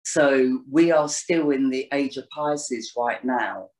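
A woman's voice: extremely low pitch, slow, darkish tone. Woman, interview guest, casual talk, rambling, frequent restarts. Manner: rambling, many "you know"s and restarts. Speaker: astrologer guest.

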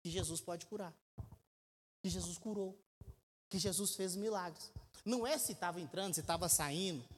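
A man, preaching a sermon as a pastor. He speaks with emphatic rhetorical questions and swings between loud and quiet. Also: high voice, normal speed, long pauses. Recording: echoey church hall with long reverb.

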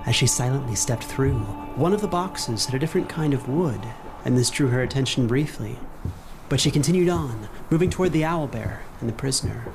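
A narrator reading scripted fantasy prose in a measured, literary storytelling manner. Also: medium pitch, animated, music in the background, poor audio.

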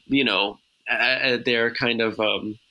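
Male writer from Lebanon, bright, forceful tone, thoughtful and searching. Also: mid-range voice, fairly even intonation, slow pace, rough recording. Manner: reflective, searching for words. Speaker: podcast guest, writer. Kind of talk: casual conversation.

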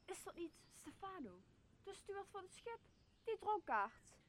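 Casting: astonished traveller played by a woman, high-pitched, theatrical and questioning, radio play with faint background noise. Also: very animated, measured pace, exaggerated voice. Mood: scornful wonder. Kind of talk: stage-like radio drama acting.

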